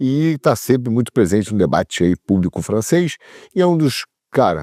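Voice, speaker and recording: Against a quiet background, a man speaks at a moderate pace with a dark, mellow tone and a dry, close sound with no echo. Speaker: commentator on economics and geopolitics. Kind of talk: online show monologue on economics. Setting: at home. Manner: hesitant, with many fillers.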